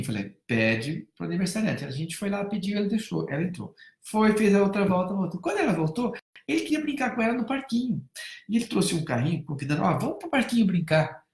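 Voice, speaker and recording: A Brazilian man speaking as a family counselor in a live-stream talk, animated, swinging between loud emphasis and soft hushed tones and acting out bits of dialogue as he tells stories. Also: high voice, gravelly, roomy sound. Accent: Brazilian Portuguese. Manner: acts out dialogue while telling stories.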